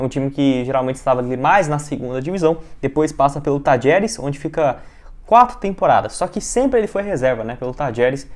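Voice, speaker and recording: Over a quiet background, a man speaks very fast with lively intonation and a fairly high pitch. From Brazil. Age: 20s. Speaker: football news youtuber. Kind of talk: casual monologue to camera. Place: home room. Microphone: lapel.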